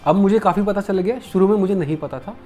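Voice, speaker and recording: A man's voice: high-pitched, quick pace, a little mellow, faint music behind. A man being interviewed as a comics publisher and letterer, speaking candidly and reflectively and mixing English phrases into his speech. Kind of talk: casual interview conversation.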